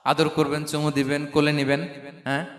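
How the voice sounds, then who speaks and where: A man preaching a sermon, emphatic, swinging from hushed tones to shouts and quizzing his listeners. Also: fairly high pitch, monotone, brisk. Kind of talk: sermon to a crowd. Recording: echoey PA sound in a big venue.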